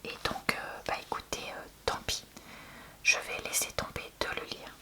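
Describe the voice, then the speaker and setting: A woman speaks in a breathy library whisper, almost entirely unvoiced and crisp on the edges. She chats candidly in an ASMR book-review style, with a hushed, conversational delivery. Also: moderate pace.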